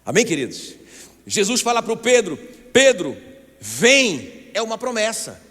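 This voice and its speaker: A Brazilian man preaching a sermon as pastor, animated and often calling out to the congregation. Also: high voice, fairly quick. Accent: Brazilian Portuguese. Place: church hall. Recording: long church hall reverb.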